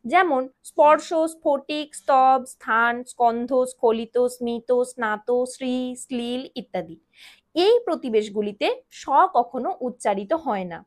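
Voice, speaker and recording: A woman's voice: on the high side, a little slow. A woman with a West Bengal Bengali accent teaching an online grammar lesson to students, explaining step by step and sounding out examples.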